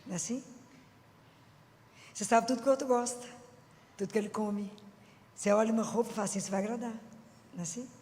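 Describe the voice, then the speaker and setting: A woman's voice: on the high side, quick pace, pauses often, mellow. Chatty Minas Gerais woman preaching in a hall. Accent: Minas Gerais Portuguese. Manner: chatty, full of rhetorical questions. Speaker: Christian speaker. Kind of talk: informal preaching to an audience.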